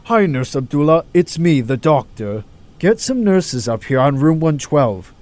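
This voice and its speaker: A man playing an earnest, troubled hospital doctor in an amateur audio drama, speaking in a deliberate, halting, dramatic way. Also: fairly high pitch, very animated, darkish tone, slight background noise. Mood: sombre, businesslike.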